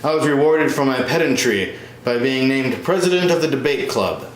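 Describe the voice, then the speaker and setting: A man's voice: medium pitch, normal speed, natural voice. A man playing both parts in a one-man stage comedy, here as a smug, pedantic, boastful older twin brother. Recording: roomy echo with faint noise.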